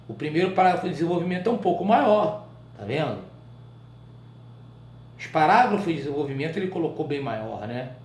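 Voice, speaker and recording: Animated Brazilian male teacher, echoey room. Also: a little high. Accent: Brazilian Portuguese. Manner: checks in often with short questions to students; colloquial, animated explaining. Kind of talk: live online writing class.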